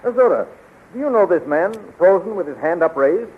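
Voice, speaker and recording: Tinny 1930s radio serial, earnest young space hero, animated pitch swings, eager, declamatory. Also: male voice, a little fast, a little hiss or hum. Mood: puzzled. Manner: eager, declamatory, puzzled and sincere. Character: heroic, earnest, bewitched young space adventurer prince.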